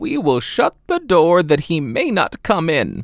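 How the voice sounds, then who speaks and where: Putting on a character voice, a man speaks high for a man and at a fairly slow pace, in a dry, close sound with no echo. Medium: read story.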